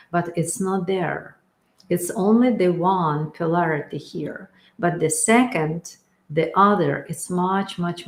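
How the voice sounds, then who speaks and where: Slow, gravelly-voiced woman in an echoey room. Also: fairly low pitch. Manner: slow, calm, pausing often with fillers. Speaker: spiritual teacher. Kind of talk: guided meditation talk. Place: room in a house. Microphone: webcam or phone camera.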